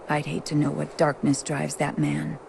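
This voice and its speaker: A woman's voice: low-pitched, completely flat delivery, takes it slowly, full character voice. An actress playing a proud, kindly young gypsy woman in a video game, composed, frank and defiant. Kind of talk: video game cutscene dialogue. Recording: game audio with clear background noise.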